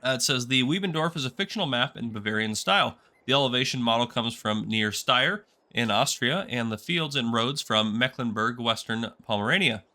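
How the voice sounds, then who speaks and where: Congested man with a bright voice. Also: mid-range voice, a little fast, hardly any pauses. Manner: chatty and easygoing, rambling asides. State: sore throat. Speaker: gaming channel host. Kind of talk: casual game map tour commentary.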